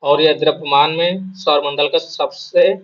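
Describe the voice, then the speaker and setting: A man's voice: fairly high pitch, fairly even intonation, measured pace, muffled recording. A male exam prep teacher with a sore throat gives a casual spoken lesson, repeating his points and asking and answering his own questions.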